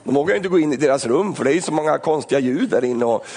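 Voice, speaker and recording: Male preacher, animated sermon, acts out scenes, raised gravelly voice. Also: on the high side. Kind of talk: lively sermon.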